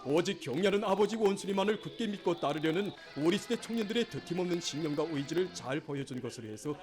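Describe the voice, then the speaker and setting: A man's voice: high voice, animated, fast talker, darkish tone, faint music behind. A man with a North Korean accent narrating formal scripted news in a solemn, fervent, declamatory state-broadcast style. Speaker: news announcer.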